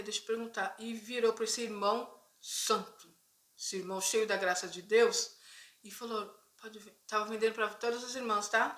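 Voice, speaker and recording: Bright Brazilian woman telling her story. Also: on the high side. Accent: Brazilian Portuguese. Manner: conversational, frequent tag questions to viewers. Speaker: Christian vlogger. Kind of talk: personal testimony storytelling. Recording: echoey room.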